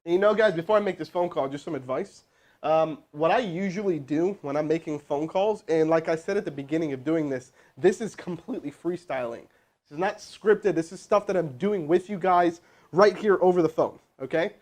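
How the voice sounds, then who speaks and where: A sales trainer hosting a live stream coaches cold calls from an indoor room with crew present, his voice sitting a touch high. He's fired-up, energetic and pumped-up, talking fast and loose with casual, chatty asides as he hypes viewers between calls.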